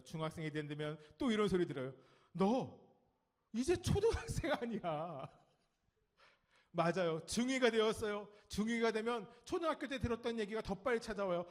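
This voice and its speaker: A Korean man preaching a Sunday sermon, telling stories and speaking straight to the congregation, his sentence endings trailing off soft and low. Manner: lively storytelling with acted quotes of nagging adults; talks directly to the congregation and children. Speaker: pastor. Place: church sanctuary.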